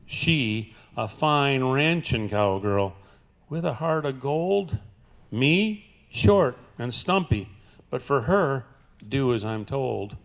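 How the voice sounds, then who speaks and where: Older male cowboy poet, mid-pitched folksy twang, unhurried dramatic delivery for live recital and banter. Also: expressive, creaky. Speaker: cowboy poet performing at a senior center. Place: live before an audience at a senior center.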